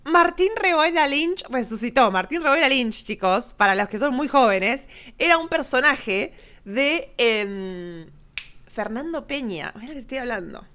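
A woman's voice: sits high, lively intonation, unhurried, bright, forceful tone. A woman with an Argentine accent casually commenting on viral clips as host, chatty and sarcastic, often laughing. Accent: Argentine Spanish.

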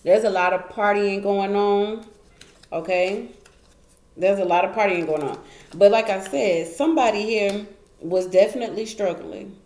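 With the camera aimed down at a wooden table and the speaker out of frame, a tarot reader chats through a casual reading in an indoor room. Her mid-range voice has a darkish tone and moderate pace; she is emphatic, repeats herself, laughs a lot, and the room sounds echoey with faint noise.

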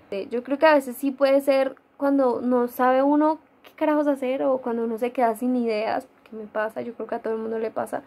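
Chatty young Colombian woman, higher voice. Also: darkish tone. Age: young adult. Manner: chatty, rambling, laughs often, many fillers. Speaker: gaming YouTuber. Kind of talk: casual Q&A vlog. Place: dim room at home.

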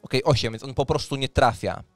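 A man's voice: medium pitch, fairly quick, no echo. A man in his thirties narrating a tabletop fantasy game as game master, in a descriptive, dramatic storytelling manner. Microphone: close microphone on a boom arm, headset on. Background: music.

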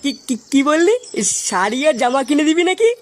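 A woman's voice: sits high, big pitch swings, fairly quick, darkish tone. A woman voicing a sceptical, teasing young village friend in a comic cartoon. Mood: mocking.

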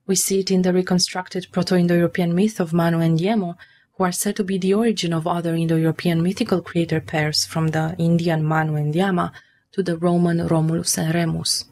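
A woman giving scripted narration in a measured, formal storytelling manner, as in an explainer on myth and folklore. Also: lowish voice, darkish tone, slight background noise. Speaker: narrator of a mythology video.

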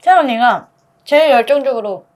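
A woman's voice: high-pitched, expressive, moderate pace. A woman in her twenties, a singer guesting on a talk show, speaking earnestly and jumping into the conversation. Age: 20s. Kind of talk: casual chat. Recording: music bed under the talk.

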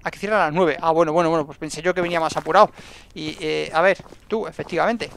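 A man giving excitable gameplay commentary and talking to himself as he plays. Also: a little high, fast talker, creaky, slight background noise. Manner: excitable, talks to himself and the game. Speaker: gaming YouTuber.

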